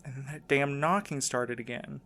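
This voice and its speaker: A man's voice: mid-range voice, sharp tone. Actor as shaken, insistent man over music. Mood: shaken, urgent. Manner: halting, earnest, defensive. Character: shaken, insistent man recounting a frightening ordeal. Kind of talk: audio drama acting, first-person recounting.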